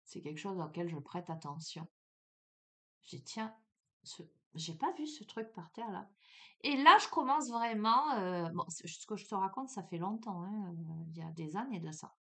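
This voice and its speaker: Middle-aged woman, spiritual guidance host, middle pitch, casual and animated storyteller, filler-heavy, talks straight to the viewer. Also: moderate pace. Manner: chatty, animated, many fillers, addresses listener as tu.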